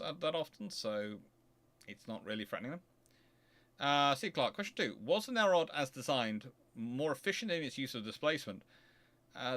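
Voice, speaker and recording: Male host, mid-pitched; unscripted explainer who digresses, restarts and leans on key words. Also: a bit bright. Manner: emphatic, digressive, self-correcting. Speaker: host answering audience questions. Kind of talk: off-the-cuff explanatory talk.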